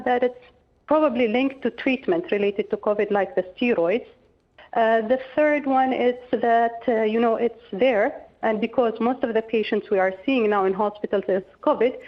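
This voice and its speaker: A woman gives measured, reassuring medical explanations as an expert guest in a telephone interview. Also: on the high side. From Oman. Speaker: infectious disease consultant, interviewed guest. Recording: dull, band-limited telephone line.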